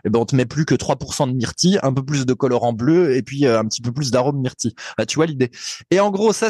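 A man's voice: mid-range voice, darkish tone, no echo, clean studio sound. A man co-hosting a casual podcast, explaining things at length in a chatty way and laughing easily. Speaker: podcast co-host. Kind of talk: casual chat.

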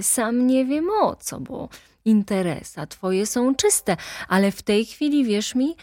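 A woman voicing a talkative older male lawyer who speaks in an animated, insistent way. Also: fairly high pitch, no echo, clean studio sound, pitched above the performer's own voice.

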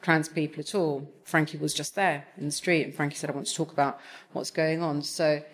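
Woman, low voice, full of fillers and restarts, panel talk. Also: fairly even intonation, a little fast. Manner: hesitant, many fillers and restarts. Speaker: TV executive on a panel.

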